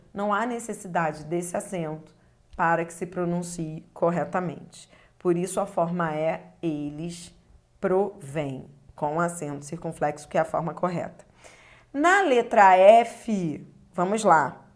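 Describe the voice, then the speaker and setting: In a video grammar lesson, a woman with a lowish voice speaks at a measured pace. She breaks the material down step by step. Tag questions let her confirm the listener understands.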